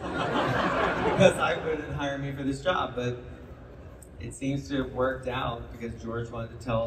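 Self-deprecating man on a distant, echoey stage. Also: medium pitch. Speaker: show creator on a panel. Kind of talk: casual anecdotes on stage. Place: large convention hall. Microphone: handheld mic, filmed from the audience over the PA. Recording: echoey hall from far off with noise.

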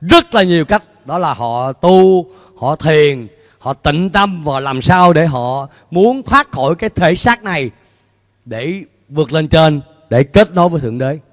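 A middle-aged man preaching a sermon as pastor on a church stage with a handheld mic, animated and putting questions to the congregation. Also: a little high, measured pace. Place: church stage before a large screen, indoors. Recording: long hall reverb in a large church.

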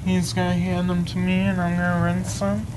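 A young man presenting a cooking show on a TV studio kitchen set, explaining each step in a plain, halting way. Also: sits high, monotone, background noise. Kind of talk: kitchen demonstration.

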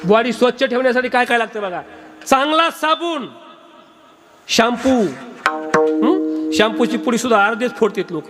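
A man's voice: very high voice, fast talker, music in the background. A male kirtan preacher giving a comic sermon, teasing and quizzing his audience at a live gathering.

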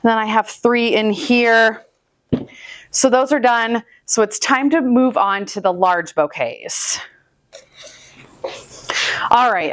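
A chatty, upbeat woman from Northwest Iowa, a flower farmer and channel host, narrates casually while arranging flowers, talking as her hands stay busy. Her voice sits on the high side, with no room sound even though a far-off, hands-free camera picks it up in an indoor room full of flower buckets. It plays like a relaxed how-to given mid-task.

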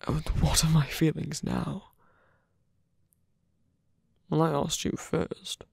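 Male actor as a smitten villain, ASMR roleplay, very husky and breathy, slow halting delivery, flirtatious yet sincere, often whispering. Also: fairly high pitch, little pitch movement, no echo, clean studio sound, exaggerated voice. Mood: earnest, pained. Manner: halting, hesitant confession with small sighs. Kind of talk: ASMR roleplay, intimate one-sided dialogue.

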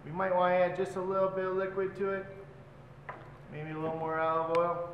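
Chef teaching from across an echoey hall. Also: male voice, high voice, a little fast, muffled recording. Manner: relaxed, explains while working with his hands. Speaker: chef instructor. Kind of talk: cooking class demonstration. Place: large hotel function room, indoors. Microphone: far camera. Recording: echoey hall, voice from far off, loud background noise.

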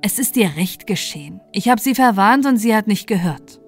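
A woman's voice: medium pitch, expressive, normal speed, faint music behind. A woman voicing a grumbling, self-righteous rope-maker in a fairy tale.

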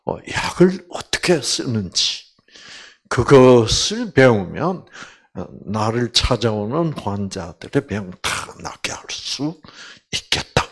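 Older man, slow lively lecture, husky voice, acted quotes, near-whispers. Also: medium pitch. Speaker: doctor giving a Bible health lecture. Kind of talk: storytelling lecture.

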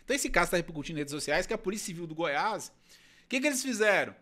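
A man's voice: sits high, big pitch swings, racing, sharp tone. A man hosting a casual legal commentary video, chatting directly to his viewers.

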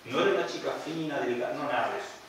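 A man, a priest, telling a story in a sermon at a retreat, animated and acting out what people said. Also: medium pitch, very fast, a little hiss or hum. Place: retreat hall. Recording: echoey room, far from mic.

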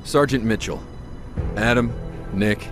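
An actor playing a weary, gruff sergeant, terse and steady. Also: male voice, slow pace, faint music behind. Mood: grim. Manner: terse, low-key.

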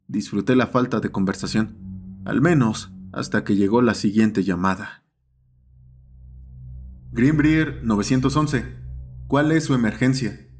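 A man reading scripted first-person horror narration in the role of an emergency dispatcher. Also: medium pitch. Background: dark ambient music.

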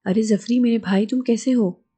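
A woman's voice: on the high side, fairly even intonation, moderate pace, mellow, slightly rough. A woman voicing a young wife, reading her lines in a teasing, emotional way. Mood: tender. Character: young wife, playful then hurt.

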